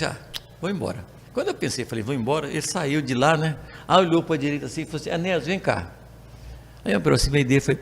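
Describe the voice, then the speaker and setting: An older Brazilian man gives a spiritist talk in a reverberant hall. His voice climbs and falls with lively pitch and has a gravelly edge as he acts out the dialogue of his stories. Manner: animated, acts out dialogue with voice changes. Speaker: spiritist lecturer. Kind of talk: storytelling talk to a spiritist group.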